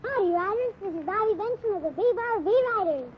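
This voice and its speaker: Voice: very high-pitched, expressive, moderate pace, slight background noise. A young performer playing an eager, plucky cowboy boy with an American accent in a 1950s radio serial. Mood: cheerful. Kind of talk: 1950s juvenile radio acting. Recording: muffled old radio recording.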